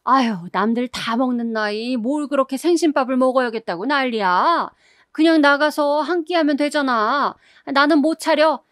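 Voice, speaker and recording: A cranky, sharp-tongued older mother-in-law, put on by a woman narrator in a storybook radio drama. She scolds in short, snappish bursts. The sound is close and dry, with no room around it. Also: high-pitched, moderate pace, dry recording, pitched above the performer's own voice. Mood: grumbling.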